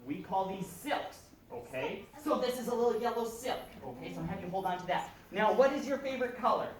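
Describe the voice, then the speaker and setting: A woman's voice: mid-range voice, animated, fast, distant mic. A woman performing as a kids party magician, coaxing her young audience along with questions, instructions and countdowns. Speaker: magician hosting a children's show. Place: large indoor room at a public library. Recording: echoey large room from afar, loud crowd. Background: loud crowd of children and adults.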